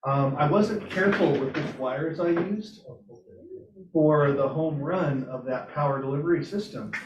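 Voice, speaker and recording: A man's voice: on the high side, measured pace, background noise. Echoey, distant man telling project stories. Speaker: presenter at a robotics club meetup. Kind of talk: informal project presentation, anecdotal. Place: meeting room at a hybrid club meetup. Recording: echoey room, distant mic, muffled sound.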